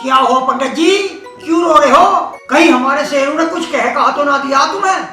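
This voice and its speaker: An actor playing a hard-of-hearing village elder in a comedy film, shouting in a rustic Haryanvi accent. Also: male voice, very high-pitched, normal speed. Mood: bickering. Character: deaf, bumbling village elder man, husband. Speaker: hard-of-hearing old husband (Tau). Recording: echoey, distant room with music.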